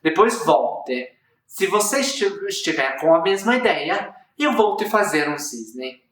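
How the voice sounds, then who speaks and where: A wise, patient mage who gently talks a sad bird around as a Brazilian storyteller voices him. He speaks slowly, and the voice echoes in a room away from the mic. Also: mid-range voice, very animated. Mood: reassuring. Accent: Brazilian Portuguese. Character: kind wise old mage who gives advice. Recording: roomy echo, distant mic.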